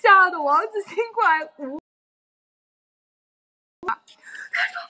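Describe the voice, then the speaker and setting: A woman's voice: very high voice, moderate pace, bright, forceful tone. A young adult woman chatting casually on a livestream and telling stories animatedly with frequent laughs.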